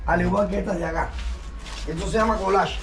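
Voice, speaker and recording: A man, an artist insistently pitching his work to visitors outdoors. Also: steady tone, fairly quick, faint music behind. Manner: insistent, salesman-like. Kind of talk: sales pitch. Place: outdoors in a street gallery. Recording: noisy outdoor ambience.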